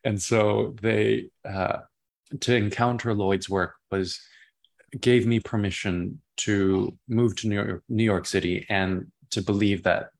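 Man, very deep voice, young adult playwright, enthusiastic, rambling, repeats words. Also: fairly even intonation, slow, creaky. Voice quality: naturally deep voice. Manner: expansive, enthusiastic, prone to tangents and repeated words. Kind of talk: reflective interview answer.

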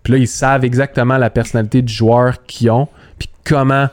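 A man's voice: mid-range voice, level tone, brisk. A man with a Quebec French accent, a basketball analyst talking casually in an interview, repeating words and slipping in English terms.

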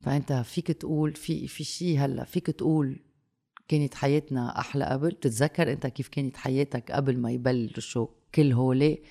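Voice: medium pitch, steady tone, a little fast, vocal fry, few pauses, dark tone. A speaker with a Levantine, Lebanese Arabic accent chatting casually, repeating phrases for emphasis and mixing in English and French words.

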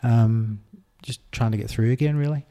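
A middle-aged man with an Irish accent, talking candidly as an interview guest, reflective and halting with many restarts. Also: medium pitch, mellow.

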